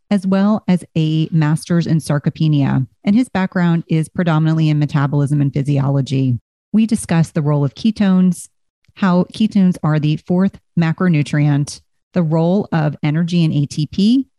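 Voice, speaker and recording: A woman's voice: low-pitched, mellow, no echo. A woman, a nurse practitioner, hosting a health podcast with an earnest manner, reading an introduction and then interviewing.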